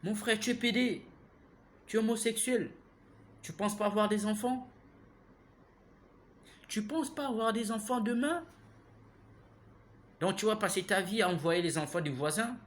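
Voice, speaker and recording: A man, giving an impassioned, preachy monologue that keeps turning to the listener with "hein?" and grows loud and heated. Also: high-pitched, unhurried, pauses often. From Gabon. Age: 30s. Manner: preachy, repeats himself, asks listeners "hein?". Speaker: vlogger.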